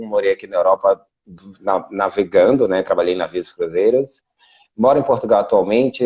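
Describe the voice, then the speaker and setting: A man from Salvador with a low, mellow, slightly husky voice talks through a video call. He explains things at length, often tagging his sentences with little fillers. The sound is dull and lo-fi. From Brazil (Salvador, Bahia). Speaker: guest, international relations specialist. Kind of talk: casual video interview. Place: Portugal.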